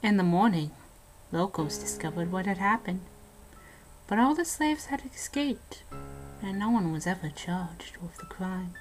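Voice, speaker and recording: A woman's voice: lowish voice, lively intonation, unhurried, soft background music, poor audio. A woman playing a brash young local telling haunted-house tales in an amateur audio drama, casual and dramatic. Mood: eerie storytelling. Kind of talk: amateur audio drama, scripted ghost storytelling.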